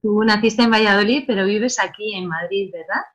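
A woman hosts a radio interview at an ordinary middle pitch. She asks gentle, prompting questions of her guest. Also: normal speed. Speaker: radio host.

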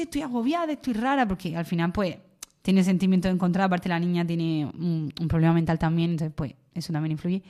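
A woman's voice: lowish voice, darkish tone. A young university student, a woman, sharing a personal faith testimony in an interview, with many fillers and restarts. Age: young adult.

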